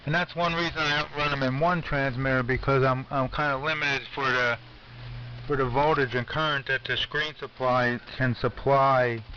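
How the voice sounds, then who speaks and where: A man talking as an amateur radio operator over shortwave AM, explaining technical things in an informal, halting way. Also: medium pitch, steady tone, highs cut off. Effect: shortwave AM radio transmission. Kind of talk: casual technical ham radio chat. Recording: distant, band-limited, faintly noisy shortwave signal.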